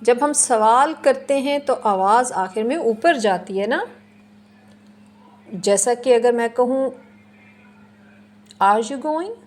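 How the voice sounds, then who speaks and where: A woman teacher giving a slow, deliberate classroom lecture, explaining in English and then again in Hindi-Urdu. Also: fairly high pitch, darkish tone. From Pakistan.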